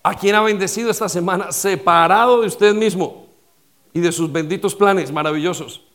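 High-voiced pastor guy preaching hard, repeats lines, asks the crowd questions. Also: normal speed. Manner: emphatic preaching with rhetorical questions and repetition; shifts between loud stress and dropped quiet tones. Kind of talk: sermon.

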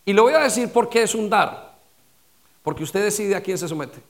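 A male pastor preaching a sermon with rhetorical questions and repetition, swinging between loud stress and quiet dropped lines. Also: high voice, animated, normal speed.

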